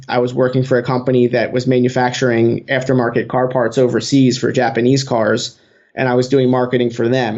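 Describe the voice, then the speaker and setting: A man's voice: medium pitch, darkish tone. A man in his late twenties, a social media marketer, telling his story earnestly as an interview guest. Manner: earnest, fluent with some "you know" fillers. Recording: dull lo-fi sound.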